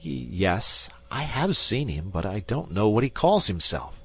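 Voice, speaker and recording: A man's voice: very animated, a little slow, slightly rough, exaggerated voice. A man voicing a frantic, fawning middle-aged landlord in an audiobook, pleading and whining. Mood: indignant. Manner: pleading, panicky, high and whining. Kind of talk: audiobook character voice.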